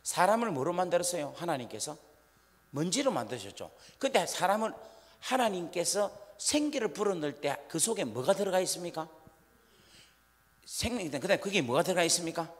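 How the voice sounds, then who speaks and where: Male pastor, revival sermon, high lively voice, long church reverb. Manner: animated, asks the congregation questions and acts out scolding parents. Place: church sanctuary.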